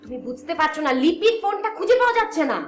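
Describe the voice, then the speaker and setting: A woman's voice: extremely high pitch, very animated, very fast, soft background music. An actress playing an exasperated woman who scolds her household in a TV drama. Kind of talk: TV drama acting. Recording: echoey room with noticeable background noise.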